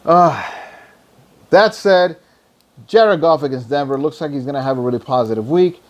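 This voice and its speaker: A hoarse, tired man hosting a podcast, rambling loosely through fantasy football picks and swearing freely. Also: on the high side, expressive, normal speed. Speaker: podcast host. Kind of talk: casual fantasy football talk.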